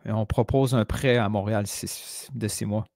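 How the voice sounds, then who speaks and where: A man's voice: fairly low pitch, fairly even intonation, moderate pace, vocal fry, a little mellow, dry recording. A man co-hosting a casual soccer podcast, prodding his partner with questions. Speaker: podcast co-host.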